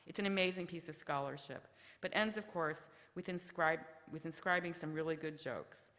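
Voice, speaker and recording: A woman giving measured prepared remarks at a memorial session, reading from her text. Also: low voice, fairly bright tone. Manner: measured, ends with a told joke. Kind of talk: prepared remarks read aloud. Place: lecture hall. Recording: lecture hall reverb.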